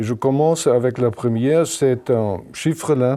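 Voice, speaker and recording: A man in a German accent, medium in pitch with ordinary pitch variation, dark, mellow tone and very slow pace. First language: German (speaking French). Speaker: economist. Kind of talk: interview. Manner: halting.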